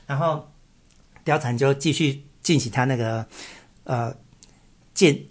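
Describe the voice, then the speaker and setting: A man, co-hosting a casual chat and animatedly retelling a classic novel. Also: mid-range voice. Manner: animated, drops into quick acted quotes. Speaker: podcast co-host.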